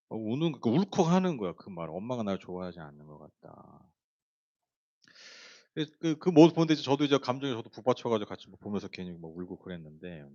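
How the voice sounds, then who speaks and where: A man's voice: medium pitch, darkish tone, dull audio. A man preaching a sermon, telling a story in a chatty way with many fillers and speaking directly to the congregation. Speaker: pastor.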